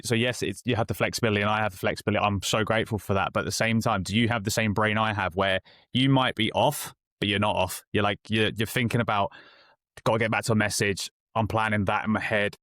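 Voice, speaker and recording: Fast-talking coach. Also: male voice, on the low side, fairly even intonation, a bit bright, no echo, clean studio sound. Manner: chatty, quick, friendly questions. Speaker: host and weight loss coach. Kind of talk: casual interview.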